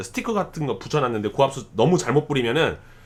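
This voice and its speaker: This man's voice is fairly high-pitched and carries vocal fry. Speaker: car reviewer and YouTuber. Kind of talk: casual monologue with voice-over narration. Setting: voice-over recorded afterwards, car wash footage.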